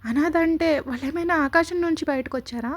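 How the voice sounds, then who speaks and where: A woman's voice: high-pitched, a little fast, voice pushed up, lightly acted. A woman voicing a bold, playful young woman in a storybook reading. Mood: indignant. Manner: teasing, indignant.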